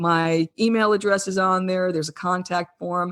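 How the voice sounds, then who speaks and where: This woman has a New Jersey accent and a medium pitch. She talks at a moderate pace. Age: 50s. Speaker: wellness coach, former corporate executive. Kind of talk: interview. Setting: podcast interview.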